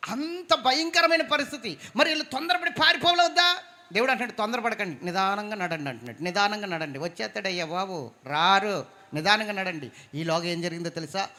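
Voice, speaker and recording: A man preaching a sermon. He is fervent and dramatic, dropping low for storytelling and then climbing to loud cries that urge the congregation to praise. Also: animated, fairly quick. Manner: fervent, rising to loud exclamations and urging the crowd to praise. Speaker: pastor.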